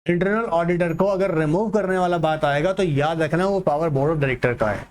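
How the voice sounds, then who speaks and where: A male tutor with a high, light voice gives an exam-prep lecture, switching between Hindi and English terms. He poses questions and answers them himself, and a faint hiss sits under the recording. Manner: asks and answers his own questions, slows to read English text aloud. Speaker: online tutor.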